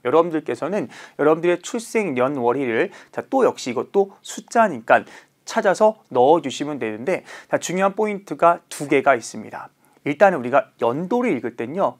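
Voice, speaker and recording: A male Chinese language teacher leads a recorded online lesson in an animated voice that moves widely up and down in pitch. He keeps checking in with his students through short rhetorical questions. He slows down deliberately whenever he spells out a tricky pronunciation.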